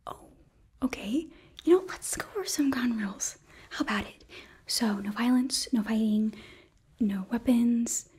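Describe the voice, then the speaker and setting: A young woman voicing a sweet, earnest demon princess in an ASMR roleplay, breathy and often whispering, with nervous, eager optimism. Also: a little high, measured pace, darkish tone. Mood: eager, soothing. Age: young adult. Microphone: close microphone.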